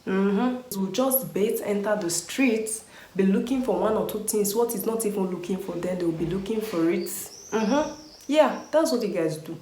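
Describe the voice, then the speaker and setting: A woman's voice: mid-range voice, normal speed, roomy sound, a little hiss or hum, low-quality recording. A Nigerian woman vlogger with a Nigerian accent, ranting in a scolding way and firing rhetorical questions at her viewers. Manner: exasperated scolding, rhetorical questions, lively pidgin phrases. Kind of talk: casual vlog rant.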